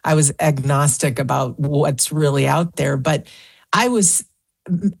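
Woman, 60s, radio guest; low, gravelly voice, earnest, piles up examples. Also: measured pace, no room sound, clean studio sound. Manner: earnest, talks in lists and repeats phrases. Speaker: guest author. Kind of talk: radio interview.

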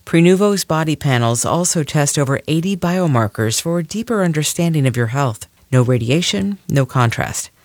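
A man reading a scripted health ad in a smooth, upbeat way. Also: a little high, animated, moderate pace, few pauses, dry recording. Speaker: ad announcer. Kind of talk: scripted radio ad read.

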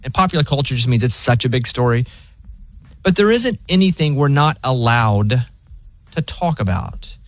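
Southern man, radio host, casual banter, dry close mic, mid pitch. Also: animated, moderate pace, dry recording. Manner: laid-back, joking, plainspoken.

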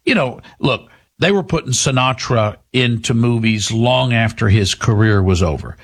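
A man in his fifties hosting a talk show, speaking in a measured, reflective way with frequent restarts. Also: mid-range voice, expressive, breathy edge. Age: 50s. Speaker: host.

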